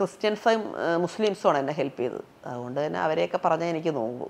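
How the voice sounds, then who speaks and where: A woman speaks with very wide pitch swings. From Kerala, Alappuzha; Kerala. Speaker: social media influencer. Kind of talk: interview. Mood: emotional, earnest storytelling. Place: studio. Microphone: lapel.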